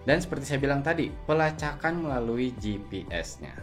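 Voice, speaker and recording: A man's voice: mid-range voice, animated, moderate pace, soft background music. A man giving a casual product review, explaining things colloquially and straight to the viewer. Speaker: host, gadget reviewer.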